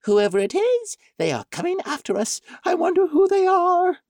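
A man's voice: extremely high pitch, big pitch swings, normal speed, a little mellow, no echo, studio quality, pitched above the performer's own voice. A man voicing an anxious, fussy duck character in a storybook reading. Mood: alarmed.

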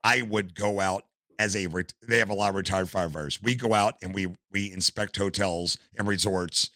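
An older American man, a retired firefighter, telling animated stories as a podcast guest over a video call. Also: deep voice, moderate pace, no room sound. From United States. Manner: animated anecdotal storyteller. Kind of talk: casual storytelling interview. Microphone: headset.

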